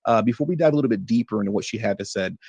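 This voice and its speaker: A man's voice: fairly low pitch, lively intonation, very fast, gravelly, darkish tone, breathy edge, no room sound, lo-fi sound. A man hosting a political commentary show, reading out news quotes and answering them with scorn and mocking emphasis.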